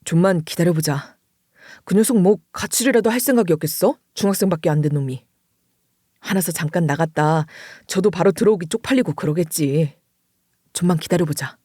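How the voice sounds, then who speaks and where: A calm, level-headed middle-aged husband, as a woman reads him, speaking in a lowered, gentle voice that soothes and reassures. The storybook reading is close and dry, with no room around it. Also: fairly quick, no echo, natural voice. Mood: soothing. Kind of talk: audio story narration.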